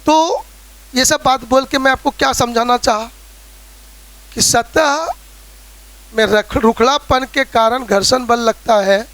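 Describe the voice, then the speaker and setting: This man speaks in an extremely high pitch, at a slow pace with frequent pauses and a fairly bright tone. With a Bihari Hindi accent, he is from Bihar, India, and gives a classroom physics lecture, using everyday examples and often checking in with his students.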